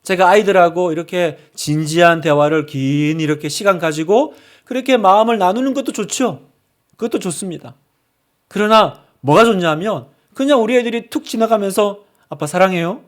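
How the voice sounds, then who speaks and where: High-voiced Korean pastor preaching warmly. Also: male voice, expressive, normal speed. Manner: conversational preaching that acts out sample prayers. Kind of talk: sermon.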